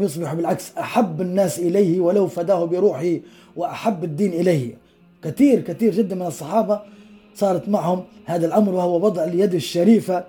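Fast, dark, husky-voiced male preacher. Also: sits high. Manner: narrates hadith stories with explanatory asides, acts out quoted dialogue. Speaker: sheikh giving a religious lesson. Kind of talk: podcast religious lesson, storytelling.

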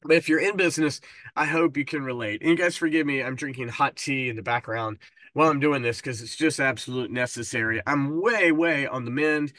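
A man's voice: medium pitch, brisk, sharp tone, dry recording. Stuffy-voiced man hosting a podcast. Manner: stumbles over words now and then. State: stuffed-up head cold. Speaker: podcast host. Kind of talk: casual solo podcast talk.

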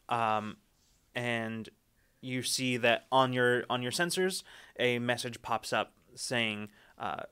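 A man's voice: mid-range voice, a bit bright, smooth. A man narrating as game master of a tabletop game, rambling with fillers and restarts.

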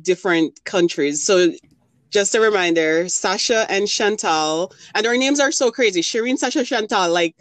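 A woman's voice: medium pitch, normal speed, no echo. A woman from Jamaica co-hosting a casual talk show, chatty and laughing often as she leads a game. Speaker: podcast co-host. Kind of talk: casual chat.

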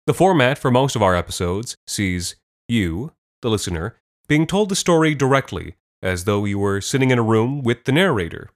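A man's voice: medium pitch, very animated, normal speed. A man giving a scripted introduction to his audio drama series as its host and performer. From Canada.

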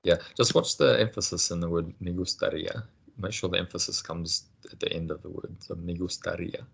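A man teaching a casual language lesson, patient and encouraging, explaining things slowly. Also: low-pitched, gravelly, breathy edge.

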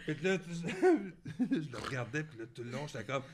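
A man's voice: on the high side, very animated, normal speed, a crowd in the background. A man with a Québécois accent, a podcast guest, telling rambling anecdotes full of fillers. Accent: Québécois French. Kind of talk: casual chat.

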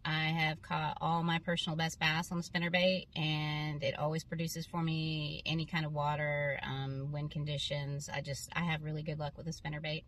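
A woman's voice: deep voice, a bit bright, recorded from a distance, slight background noise. A woman from Maine giving plain, matter-of-fact answers about herself. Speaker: interviewed angler. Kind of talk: personal profile answers.

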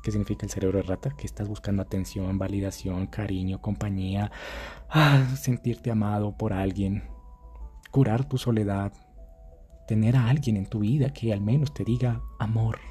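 A man's voice: lowish voice, fairly even intonation, normal speed, warm tone, faint music behind. A man giving dating advice in a dramatic, profane monologue, acting out little scenes. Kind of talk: casual monologue to camera.

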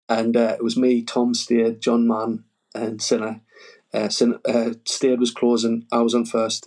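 Comic guy rambling through gig stories, husky voice, lots of "like". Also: medium pitch, a little mellow. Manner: rambling, fillers, laughs at own stories. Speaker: stand-up comedian guest. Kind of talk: casual storytelling chat.

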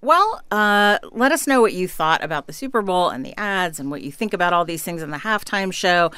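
A woman hosting a panel discussion, relaxed and conversational, steering the talk on a close studio mic. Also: on the low side, fairly quick, smooth, no echo. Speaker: podcast host.

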